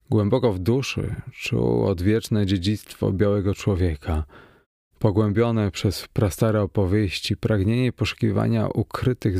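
A male narrator reads an adventure story at a steady, measured pace. His low voice carries a gravelly rasp. The recording is close and dry. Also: no echo. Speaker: audiobook narrator. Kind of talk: scripted narration.

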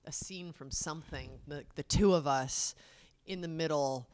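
Low-voiced woman, wry podcast chat. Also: normal speed, clean tone. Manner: wry, deadpan quips. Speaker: podcast co-host. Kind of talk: casual chat.

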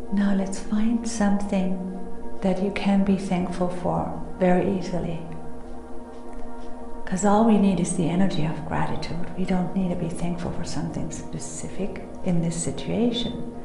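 A woman guides a meditation very slowly, in an airy, breathy voice that often sinks toward a whisper. She sounds like a soothing mystical healer, with an echoey sound around her deliberate phrases. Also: fairly low pitch. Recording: echoey reverberant sound over music. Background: music.

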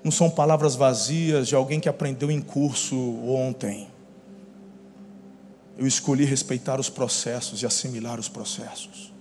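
A man with a Brazilian Portuguese accent, a pastor telling lively stories in a sermon, acting out scenes with shouts and laughter. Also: mid-range voice, normal speed. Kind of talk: storytelling sermon. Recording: long hall reverb, faint noise.

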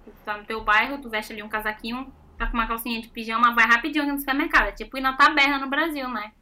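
A young Brazilian woman chatting casually, telling stories with animated, self-mocking exclamations. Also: fairly high pitch, racing. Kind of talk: casual chat.

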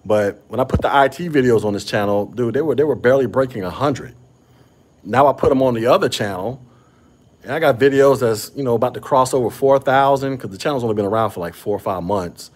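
Talking fairly quickly in a mid-range voice, this podcast host keeps the chat casual over a podcast mic. He stutters slightly and frequently starts his sentences over.

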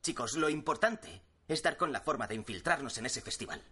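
A man acting a cocky, excitable young ringleader in a Spanish comedy dub, with a Castilian accent. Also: medium pitch, a little fast, breathy edge. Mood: earnest, scheming. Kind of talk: comedy film dubbing.

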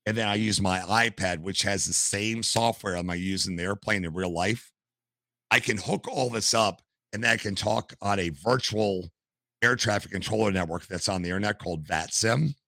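Appearing as a podcast guest, an older retired man from the United States spins anecdotes and asides with animated energy at a moderate pace. Recorded on a headset, his voice comes through close and echo-free: low, gravelly, bright, and forceful.

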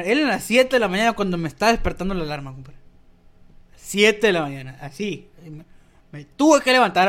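A young man with a Mexican accent, his voice high and a bit bright, co-hosts a podcast. He tells a rambling, casual story thick with slang and swearing.

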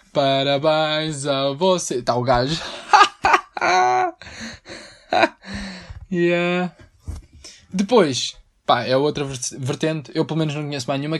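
Young Portuguese man rambling on a podcast. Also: a little high. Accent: European Portuguese. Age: young adult. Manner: rambling and slangy, breaks into mock singing. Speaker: podcast host. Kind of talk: casual solo podcast chat.

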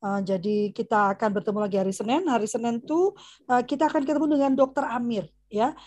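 A woman hosting an online parenting session, talking casually and warmly to a group, dropping English phrases and "gitu ya" fillers often. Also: on the high side, quick pace, no room sound. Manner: chatty, frequent "gitu ya" fillers, laughs often; mixes English phrases into speech. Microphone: video call.

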